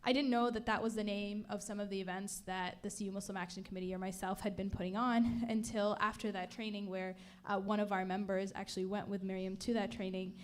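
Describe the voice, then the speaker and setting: A woman from Palestine, a native Arabic speaker, giving an earnest, measured talk on a community panel with frequent fillers. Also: medium pitch, little pitch movement.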